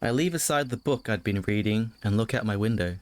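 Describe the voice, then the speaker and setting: A man livestreaming a horror game, moving between casual chat with viewers and reading story text aloud, often halting and repeating words when he chats. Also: lowish voice. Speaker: livestreamer, host of a spooky game stream.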